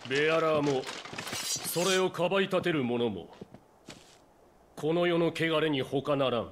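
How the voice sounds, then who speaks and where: A man's voice: on the high side, a little slow, a little hiss or hum, lightly acted. A man playing a menacing, zealous black knight villain with a contemptuous, declamatory delivery in a video game. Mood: fanatical.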